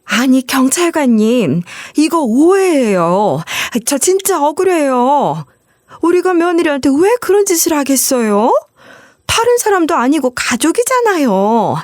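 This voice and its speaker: Woman voicing a shrill scheming mother-in-law. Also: big pitch swings, normal speed, darkish tone, no echo, clean studio sound. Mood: pleading. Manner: shrill and scolding.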